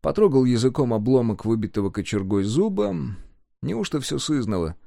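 Brief: male audiobook reader, lively intonation, dry close recording. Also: mid-range voice, moderate pace, vocal fry, no room sound. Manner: expressive, storytelling. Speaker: audiobook narrator. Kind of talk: audiobook narration.

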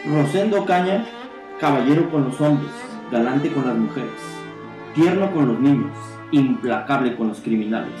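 A man's voice: medium pitch, lively intonation, moderate pace. Echoey Mexican man narrating a radio serial. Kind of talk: dramatic old-time radio serial narration. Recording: echoey voice over string music.

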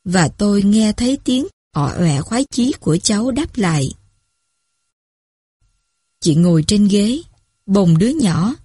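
A woman narrating a story in a measured, even reading voice. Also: medium pitch, slightly rough, no room sound, clean studio sound.

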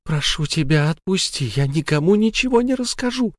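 Terrified young woman begging for her life, voice pushed high and shrill, as a male narrator puts her on, dry close recording. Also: lively intonation, moderate pace, darkish tone, no echo. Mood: pleading. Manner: high, shrill, sobbing pleas.

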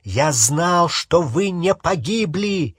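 A man's voice: a little high, lively intonation, measured pace, breathy edge, no echo, studio quality, voice pushed up. A man reading an audiobook, voicing a guilty teenage boy wizard who pleads and argues back. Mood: defensive pleading. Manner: pleading, then shouting back.

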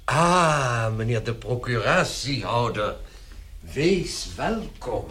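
A man's voice: mid-range voice, big pitch swings, slow, a bit bright. A man playing a middle-aged domineering father in a radio drama, blustering and commanding, fawning before superiors. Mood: obsequious. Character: domineering father, bossy at home, obsequious to superiors.

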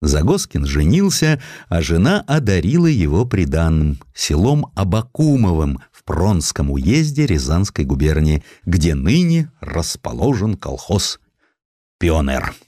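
A man narrating historical stories as a scripted audiobook, theatrically, with deliberate pauses. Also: deep voice, sing-song, warm tone, dry recording, studio quality.

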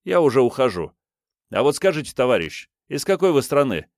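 A man's voice: mid-range voice, very animated, fairly quick, no room sound, clean studio sound, pitched above the performer's own voice. A man voicing a glib middle-aged man with showy politeness.

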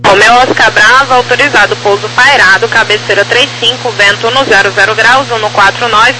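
A Brazilian air traffic controller giving formal, clipped clearances over aviation radio, reading numbers out digit by digit. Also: mid-range voice, steady tone, a little fast. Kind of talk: clipped procedural radio commentary. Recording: noisy radio transmission with hum.

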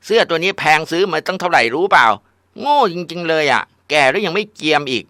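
Man doing a shrill bratty teen girl. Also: fast talker, no room sound, clean studio sound. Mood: scornful shouting. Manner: whiny, shouting insults. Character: spoiled rude teenage girl, shrill and bratty.

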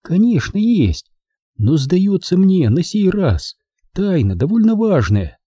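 Audiobook mother, soft and worried, higher voice, a man putting her on. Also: big pitch swings, slow, slightly rough, no echo, clean studio sound, full character voice. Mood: pressing. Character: anxious, gentle mother, adult woman.

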